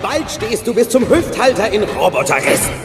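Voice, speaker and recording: A man's voice: high-pitched, sing-song, normal speed, over music. An actor playing a scheming robot boss in a children's audio play, slick but whiny and cowed by his mother. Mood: smug, eager. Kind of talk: film dub acting in children's audio play.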